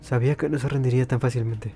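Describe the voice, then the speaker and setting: A man's voice: medium pitch, fairly even intonation, very fast, warm tone, soft background music. A man hosting a video game playthrough, giving running commentary. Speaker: gaming video host.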